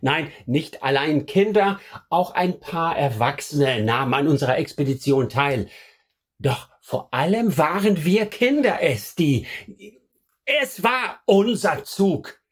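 An actor playing a haunted survivor recalling a childhood crusade in a radio play monologue, halting and reflective. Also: medium pitch, expressive, slightly rough. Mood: haunted recollection.

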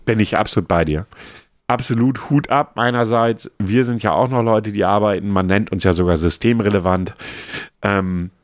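A man co-hosting a casual podcast, speaking in a calm, measured, explanatory way. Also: lowish voice, no echo. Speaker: podcast co-host. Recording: dry, close sound.

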